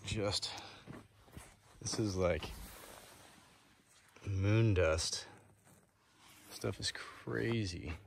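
A man in his thirties vlogging a fishing road trip, thinking aloud in a relaxed, easygoing way with frequent fillers, filmed on a handheld camera outdoors and in a truck. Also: fairly low pitch, very slow, creaky, pauses often. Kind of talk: casual outdoor vlog narration. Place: outdoors on a lake and in a truck cab. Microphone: action camera or phone held close. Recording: loud wind and engine noise.

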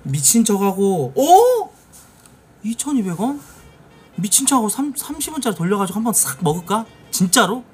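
A man in his thirties live-streaming a game from a small room, talking casually, swearing a lot and yelling at slot machine wins. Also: high-pitched, normal speed, faint music behind. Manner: swearing, excitable, shouts at wins. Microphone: desk mic in gaming chair, webcam framing.

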